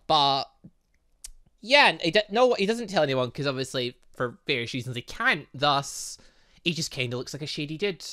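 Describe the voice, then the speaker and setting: A man's voice: fairly high pitch, lively intonation, moderate pace, sharp tone. A man hosting a casual let's play of a visual novel, chatting in a rambling way with light swearing between scenes. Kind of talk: casual gaming commentary and reading aloud.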